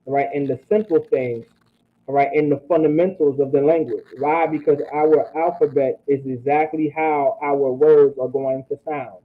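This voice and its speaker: A man teaching an online language class, repeating phrases and checking in with "all right?". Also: fairly high pitch. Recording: tinny phone-like audio.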